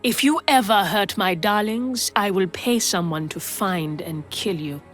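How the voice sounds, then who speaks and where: A woman's voice: medium pitch, measured pace, a bit bright, faint music behind, natural voice. A woman voicing a worldly, sardonic, protective brothel madam in a video game, with a theatrical, coaxing manner. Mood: wry, exasperated. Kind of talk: scripted game dialogue.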